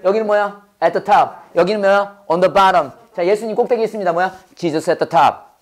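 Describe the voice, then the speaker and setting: Repeating each prompt for the class to echo, a hoarse English teacher conducts a brisk call-and-response drill in a mid-range voice.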